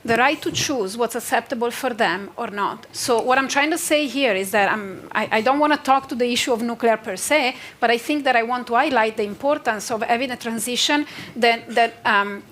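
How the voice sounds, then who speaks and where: A woman's voice: fairly high pitch, fairly quick, hardly any pauses, a bit bright. A woman from Italy, speaking earnestly and emphatically as a panelist in a discussion. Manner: earnest, emphatic, repeats phrases for stress.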